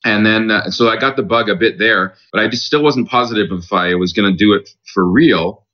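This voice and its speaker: A man, a stage actor, telling relaxed, reflective stories as a podcast guest, with easy laughs. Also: fairly low pitch, a little fast, dull audio. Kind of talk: conversational interview.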